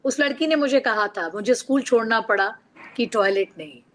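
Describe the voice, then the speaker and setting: A woman's voice: on the high side, expressive, normal speed, a bit bright. A middle-aged woman author from Bihar answering interview questions earnestly and reflectively, with personal stories. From Bihar, India. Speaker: guest author.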